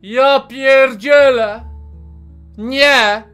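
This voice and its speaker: A man in his thirties streaming a game from a small room on a headset mic, talking casually, cursing and yelling at the game, sometimes dropping to a whisper. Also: very high-pitched, very slow, smooth, soft background music. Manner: excitable, swears, yells at the game, then drops to a whisper. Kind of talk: casual live gameplay commentary.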